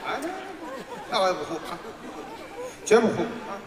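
A man performing as the straight man in live crosstalk comedy, firing back quick, stubborn, mock-indignant retorts. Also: high voice, animated, a crowd in the background. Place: large theater stage. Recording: echoey hall with loud audience. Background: loud audience laughter.

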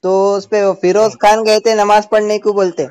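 A man's voice: sits high, flat delivery, normal speed, darkish tone, clean tone. A man with a Hyderabadi accent on a phone call, persistently needling yet addressing the listener politely. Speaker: caller. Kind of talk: phone conversation, complaint.

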